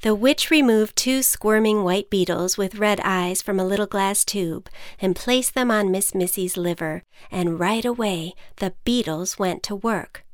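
A woman reading a children's storybook aloud in an expressive, playful way, recorded on a close mic. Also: medium pitch, a little slow, hardly any pauses, no echo.

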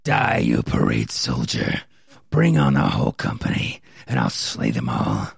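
Very deep, gravelly vampire villain. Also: male voice, unhurried, dry recording, heavily acted. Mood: furious, threatening. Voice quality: gravelly, raspy growl. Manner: theatrical, threatening. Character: menacing, boastful vampire baron, proud old-world swordsman.

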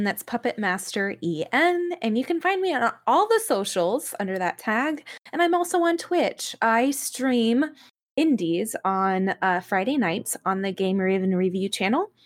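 A woman co-hosting a podcast, speaking in a casual, conversational style. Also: mid-range voice. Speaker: podcast co-host. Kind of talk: casual podcast sign-off and self-introduction.

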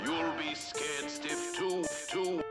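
A woman's voice: deep voice, steady tone, slow pace. A woman playing a spooky character in a parody of old-time horror radio. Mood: ominous. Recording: loud music over the voice.

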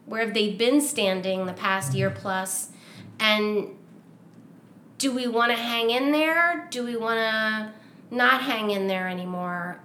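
A woman's voice: mid-range voice, a bit bright. A woman co-hosting a casual podcast, talking things through thoughtfully and laughing easily. Her voice carries a noticeable room echo. A faint hiss sits under her voice. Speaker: podcast co-host. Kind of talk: casual chat.

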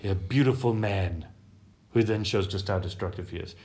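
A man's voice: sits low, normal speed, a little mellow. A man hosting a casual podcast about the Bible. He talks in a chatty way, laughs easily and stumbles over names while reading. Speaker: podcast host.

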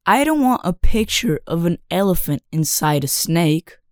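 A man voicing a small golden-haired boy who asks gently and keeps insisting, in a storybook reading. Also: a little high, very animated, moderate pace, no echo, clean studio sound, voice pushed up. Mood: insistent. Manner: gentle, persistent requests.

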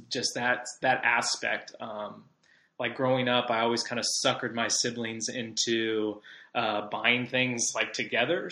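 Casual guy around 30 from socal rambling on his podcast, bright voice, roomy echo. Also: mid-range voice. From Southern California. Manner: chatty, rambling with many fillers. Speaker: podcast host. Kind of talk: casual monologue.

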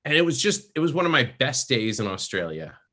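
A man telling stories about his work as a professional Santa in a podcast interview, chatty and animated. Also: medium pitch, brisk. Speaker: guest, professional Santa performer.

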